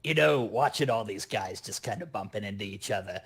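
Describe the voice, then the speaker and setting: A man plays a brash goblin show-off for a tabletop game. The voice is gravelly and husky, swinging freely up and down. He wisecracks in streetwise patter, thoroughly pleased with himself. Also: fairly low pitch, animated, a little fast, fairly bright tone, voice pushed down, full character voice. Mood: wry, cocky. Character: cocky, wisecracking male goblin demolitionist, a show-off.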